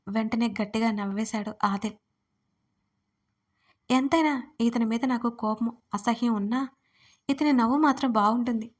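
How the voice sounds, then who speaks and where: A woman reads a romance serial aloud in the first person, voicing the heroine's own lines as she goes. Her voice sits a little high but stays level, with little rise and fall. It is a steady, scripted storytelling delivery. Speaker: audio story narrator.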